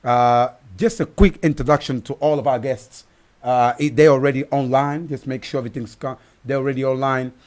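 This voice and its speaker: A man's voice: medium pitch, fairly even intonation, fairly quick, darkish tone. Rambling talk show host, man. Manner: rambling with many fillers and restarts. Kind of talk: live online talk show.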